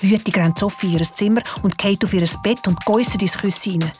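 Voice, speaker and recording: A woman with a Swiss German accent narrating a children's radio play in a lively, expressive way. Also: medium pitch, fairly quick, soft background music. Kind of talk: storytelling narration.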